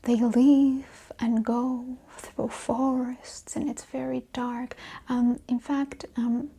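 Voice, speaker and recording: Casting: female ASMR host, mellow breathy whisper, slightly high, hushed casual chat. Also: level tone, takes it slowly.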